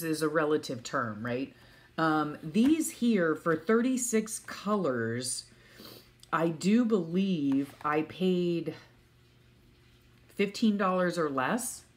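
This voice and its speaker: Slow, low-pitched woman with a congested voice. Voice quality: congested, sniffly. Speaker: vlogger showing stationery. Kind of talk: casual rambling chat. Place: at home.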